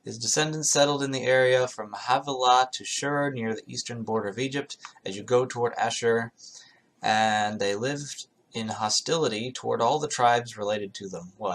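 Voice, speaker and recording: A man's voice: medium pitch, a bit bright, slight background noise. Wry man reading aloud casually. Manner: wry, sarcastic, irreverent. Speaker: host reading scripture aloud with own commentary. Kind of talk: casual read-aloud with ad-libbed asides.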